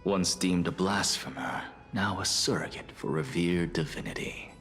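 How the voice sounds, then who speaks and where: A man voicing a proud, aloof male scholar in a video game, haughty and dismissive, with a husky voice. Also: deep voice, moderate pace, a bit bright. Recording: game audio under music.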